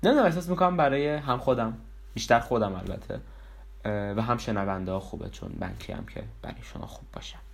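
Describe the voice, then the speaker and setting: A man talking at a very fast pace, with big swings in loudness and audible room echo. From Iran. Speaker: podcast host. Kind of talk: casual monologue.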